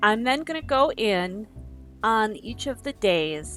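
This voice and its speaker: Over music in the background, a woman with a Michigan accent talks in a fairly high pitch. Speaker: writer and blogger. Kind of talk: casual talk to camera, craft tutorial. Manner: casual, self-deprecating.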